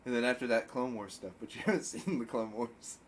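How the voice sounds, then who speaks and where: A man with an American accent co-hosting a casual podcast livestream, animated and jokey and quick to laugh. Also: mid-range voice. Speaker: podcast co-host. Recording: faint background noise.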